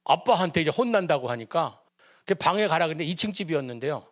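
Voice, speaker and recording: Pastor, man, middle-aged, higher pitch, animated storytelling sermon that acts out the voices of the people in it. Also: fast talker, dry recording, studio quality. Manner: animated, acts out voices of family members, humorous asides. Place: church prayer service.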